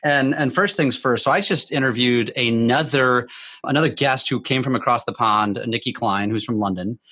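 A man hosts a podcast with plenty of enthusiasm, welcoming his guest in a middle-pitched voice. He sometimes stumbles and repeats words. The recording is dry. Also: normal speed, bright, forceful tone, dry recording. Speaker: podcast host. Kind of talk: podcast interview.

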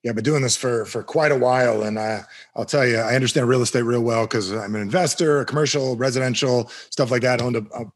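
A middle-aged man from New Jersey, a guest coach and author, talking confidently with a punchy salesman's push and quick repeats. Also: mid-range voice, fairly even intonation. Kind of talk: energetic self-introduction in an interview.

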